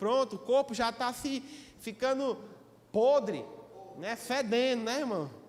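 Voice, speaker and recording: An animated man talks with a Ceará accent. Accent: Ceará accent, kept. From Ceará, Brazil. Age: 20s. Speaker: Bible school teacher. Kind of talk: Bible class lecture.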